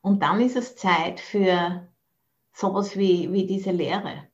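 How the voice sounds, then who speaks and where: A woman's voice: fairly low pitch, steady tone, takes it slowly. An Austrian woman meditation teacher giving a dharma talk in a reflective way, often searching for her words. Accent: Austrian German. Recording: dull lo-fi sound.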